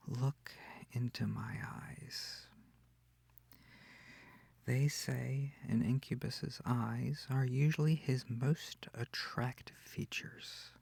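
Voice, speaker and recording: A sweet, comforting incubus demon played by a man speaks close and dry in an ASMR roleplay. His voice is soft and breathy with a touch of gravelly creak, and he takes his time, tender and a little hesitant. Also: medium pitch, no room sound, exaggerated voice. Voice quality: breathy, often near whispering. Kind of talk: intimate ASMR audio roleplay.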